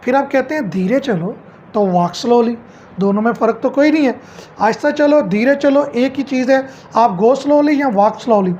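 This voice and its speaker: High-voiced woman teaching English phrases. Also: a little mellow, muffled recording, a little hiss or hum. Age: middle-aged. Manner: repeats each phrase as a question and answer. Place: home.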